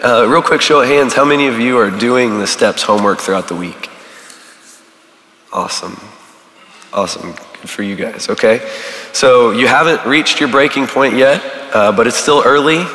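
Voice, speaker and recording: A man, a church volunteer giving a casual teaching to a recovery group, halting with many fillers while he is losing his voice. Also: mid-range voice, bright, forceful tone. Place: large church hall. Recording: echoey hall with long reverb.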